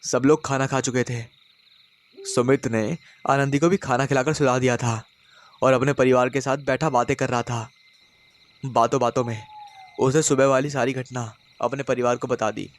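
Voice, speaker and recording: A man telling a horror story in steady, dramatic scripted narration. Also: medium pitch, moderate pace.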